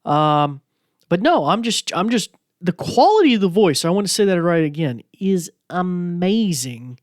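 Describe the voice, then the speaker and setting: A man's voice: high-pitched, big pitch swings, a little slow, dry recording, clean studio sound. A man hosting a podcast, chatting casually and rambling with lots of fillers as he demos a gadget. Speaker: podcast host. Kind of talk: casual tech demo chat.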